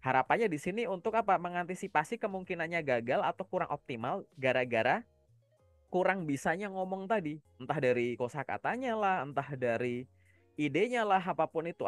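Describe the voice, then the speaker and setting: A fairly high-pitched man from Java talks through advice in a relaxed coaching manner. He explains step by step and keeps checking whether the listener is following. The voice sits close and dry, with faint music underneath. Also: brisk, no echo. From Java, Indonesia. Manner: explanatory, asks listeners rhetorical check-in questions. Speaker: career coach. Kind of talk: casual coaching talk.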